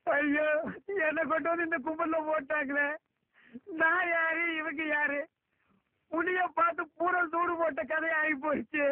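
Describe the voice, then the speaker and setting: A man in a film comedy scene, scolding and mocking others with quick insults. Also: extremely high pitch, level tone, no room sound. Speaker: comic film actor. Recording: tinny lo-fi film audio.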